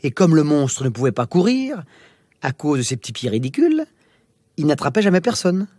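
A man narrating a children's story slowly and expressively. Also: fairly high pitch, very animated, mellow, no echo, studio quality. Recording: music underneath.

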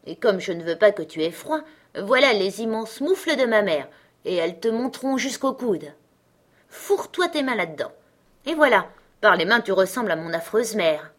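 A woman's voice: mid-range voice, very animated, normal speed. A woman voicing a fierce, wild little robber girl who talks in a bossy, teasing way.

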